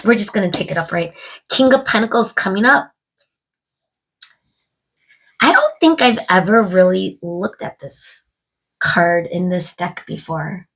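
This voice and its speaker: A woman's voice: mid-range voice, expressive, moderate pace, a bit bright, poor audio. A woman reading tarot cards aloud, musing to spirit and viewers, a little stuffed up from a cold. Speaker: tarot reader. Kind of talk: casual tarot card reading to camera.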